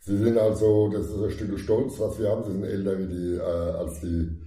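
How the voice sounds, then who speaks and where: A man's very deep, low, somewhat breathy voice with a dark, mellow tone, ordinary pitch variation and audible room echo. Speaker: chairman of a church heritage association. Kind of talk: interview. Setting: in the old church. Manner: hesitant, many fillers.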